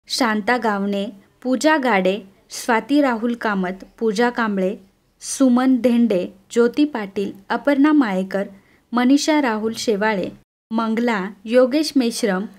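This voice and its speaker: A woman with a fairly high voice narrates a TV serial recap in a steady, scripted storytelling style. She talks to her audience directly and reads off long lists of viewers' names. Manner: addresses listeners as friends, reads long name lists.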